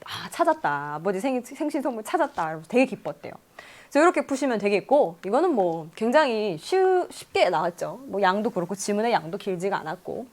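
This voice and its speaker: A woman English teacher with a Korean accent, explaining an exam passage in a lively lecture and reading English lines aloud. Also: mid-range voice. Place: lecture studio.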